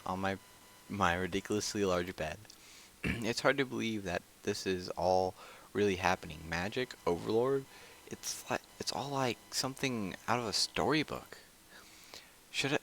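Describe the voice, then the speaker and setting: A man reading a visual novel aloud with casual asides, often stumbling, repeating phrases and clearing his throat. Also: lowish voice, normal speed, a little hiss or hum. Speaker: let's player reading a game aloud. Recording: loud music over the voice. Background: loud game music.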